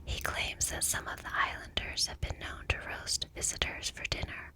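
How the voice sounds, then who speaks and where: The speaker is a middle-aged woman creating ASMR, reading a book out loud in a hushed, gentle whisper. Everything about her is calm: quiet, soft-spoken, slow and soothing.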